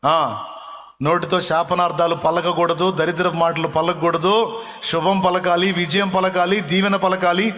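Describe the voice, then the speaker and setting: A man's voice: sits high, flat delivery, a bit bright. Man preaching in a reverberant hall. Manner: preaching with emphatic repetition, slowing for stress. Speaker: pastor. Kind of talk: sermon.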